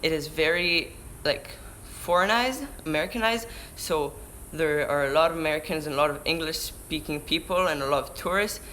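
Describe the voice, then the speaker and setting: On a low-quality recording with slight background noise, a teenage boy from Israel with a Hebrew accent livestreams as a surfer vlogger, chatting and reading viewer questions aloud while restarting words mid-sentence. His voice is fairly high and sharp, at normal speed with few pauses, captured indoors by a window via a camera-mounted shotgun mic.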